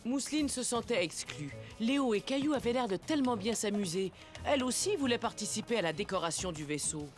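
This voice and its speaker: A woman narrating a children's cartoon story as a kindly, expressive storyteller. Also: a little high, brisk, natural voice. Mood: storytelling. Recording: music behind the voice.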